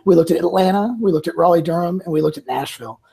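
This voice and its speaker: A man, a guest on a casual panel chat, telling a story in a relaxed way with fillers. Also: fairly high pitch, fast talker, gravelly, husky. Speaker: guest, lead organizer.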